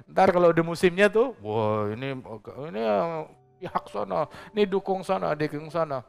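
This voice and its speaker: Emphatic preacher. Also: male voice, fairly high pitch, animated, normal speed, gravelly, smooth, faint music behind. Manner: emphatic, rhetorical questions, joking asides. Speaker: Islamic preacher. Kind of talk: religious lecture to a congregation. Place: mosque.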